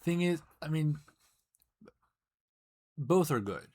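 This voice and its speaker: A man's voice: a little high, expressive, mellow. A man commentating a card game in casual chat, joking with his co-host. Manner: chatty, joking, quick back-and-forth.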